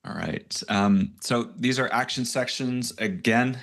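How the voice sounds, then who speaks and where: A man's voice: mid-range voice, a little slow, a bit bright. A man hosting a casual online coaching session, chatty and rambling, poking fun at himself, on a video call mic. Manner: rambling, self-deprecating, loose and chatty. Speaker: host and coach.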